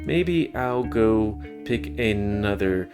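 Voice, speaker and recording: A man's voice: lowish voice, animated, slow pace, music in the background. A man casually chatting about games he plays, rambling and often interrupting himself. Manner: rambling and self-interrupting, with fillers. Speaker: gaming video host. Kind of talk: casual game review over gameplay.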